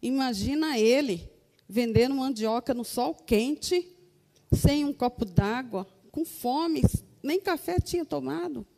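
A Brazilian woman with a mellow, fairly high voice tells an earnest church testimony. Her words carry a long, ringing reverb. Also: lively intonation, slow, gravelly. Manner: earnest, addresses listeners as brothers. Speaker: church member giving testimony. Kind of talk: testimony to a congregation.

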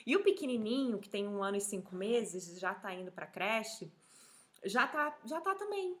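A woman's voice: mid-range voice, expressive, moderate pace. A woman in her thirties with a Brazilian accent, chatting as an interview guest, telling stories animatedly and laughing often. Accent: Brazilian Portuguese. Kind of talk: casual chat.

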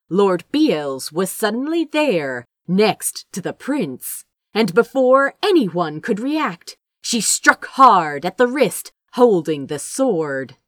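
A woman's voice: fairly high pitch, dry recording, studio quality. A woman reading a fantasy story aloud as an audiobook narrator, in a dramatic storytelling style. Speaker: fan fiction audiobook narrator.

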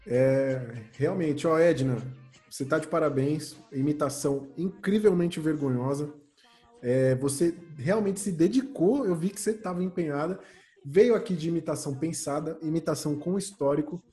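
A man's voice: fairly high pitch, moderate pace, dark tone, soft background music. A man hosting a comedy podcast, handing out mock-serious, ironic praise. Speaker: podcast host.

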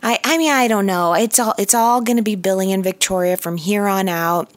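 A woman host recording a casual solo audio update, her voice slightly raspy and a little hoarse while she recovers, talking chattily with many fillers and restarts. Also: mid-range voice, fairly quick, dry recording. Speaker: podcast host.

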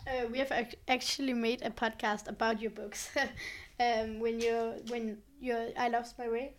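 A woman's voice: on the high side, little pitch movement, normal speed. Giggly young woman with a Danish accent. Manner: hesitant, giggly, many fillers. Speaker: podcast host. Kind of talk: casual interview chat.

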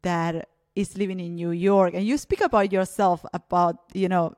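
A woman's voice: on the low side, fairly even intonation, normal speed, darkish tone, no room sound. A woman from Argentina hosts a casual interview, thinking aloud in a reflective way and leaning on fillers. The sound is dry and close, with no room around it. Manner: reflective, many fillers like "you know" and "like". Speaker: podcast host. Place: Berlin.

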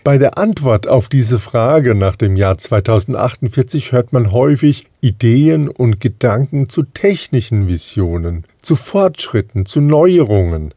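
Brief: male podcast host, warm and unhurried, dry studio sound. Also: mid-range voice, animated, dry recording. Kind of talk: scripted introduction.

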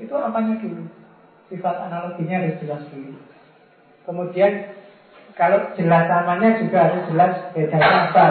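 A man giving an informal religious lecture, teasing his listeners with playful examples. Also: sits high. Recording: tinny, echoey, far from mic.

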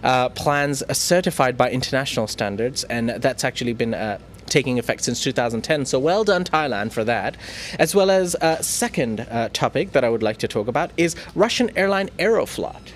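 A man's voice: mid-range voice, lively intonation, moderate pace, a little hiss or hum. Chatty male news-show host. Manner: chatty, filler-heavy, playful teasing. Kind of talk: casual news chat.

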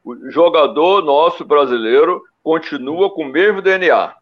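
A man in a casual panel talk, telling animated stories about football and listing old players. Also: on the high side, normal speed. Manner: animated storytelling, lists names. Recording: dull lo-fi recording.

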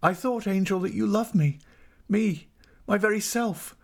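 A man's voice: a little high, expressive, normal speed, mellow, slightly rough, voice pushed up. A man voicing a desperate, pleading young wife, devoted and frightened, in a dramatic audiobook reading. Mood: anguished devotion. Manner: imploring, emotional.

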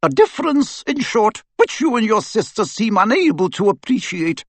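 A man voicing a stern older woman professor who speaks in a crisp, clipped, icily formal way. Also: sits high, big pitch swings, normal speed, no room sound, pitched above the performer's own voice, exaggerated voice. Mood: scornful.

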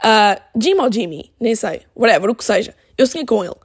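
A young woman with a European Portuguese accent hosting a casual solo podcast, animated and dropping in English phrases. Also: on the high side, brisk, slightly rough, no echo, clean studio sound. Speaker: podcast host.

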